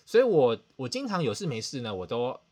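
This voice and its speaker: Animated fast-talking man. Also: medium pitch. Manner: animated, self-mocking, dramatic outbursts. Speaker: podcast host. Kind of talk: casual storytelling chat.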